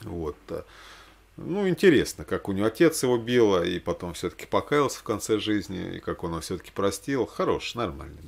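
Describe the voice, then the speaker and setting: A man speaking casually and ramblingly as he recommends things to watch, halting and repeating himself for emphasis. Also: low-pitched, very animated, gravelly. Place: small room indoors.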